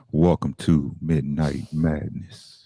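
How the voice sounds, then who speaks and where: A man puts on a character voice with a very deep, low pitch. His intonation is fairly even, and the sound is dry and close with no echo. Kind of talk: smooth quiet storm radio. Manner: smooth.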